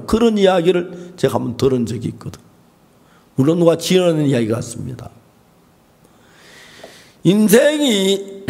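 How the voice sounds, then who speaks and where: Gravelly Korean pastor preaching a sermon. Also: male voice, sits high. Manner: storytelling, acting out the voices of the people in his story; frequent throat clearing. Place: church.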